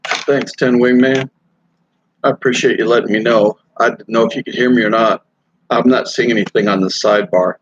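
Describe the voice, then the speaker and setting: This middle-aged motorcycle vlogger is live streaming from a hotel or rest stop on the road, chatting casually and rambling with plenty of fillers and restarts. His medium-pitched voice stays fairly even at normal speed, over slight background noise and a dull, dry, lo-fi sound.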